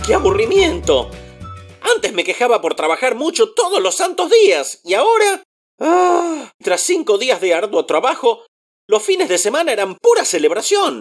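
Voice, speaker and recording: A cartoonish character voice speaks in a high pitch. The pace is moderate. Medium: puppet.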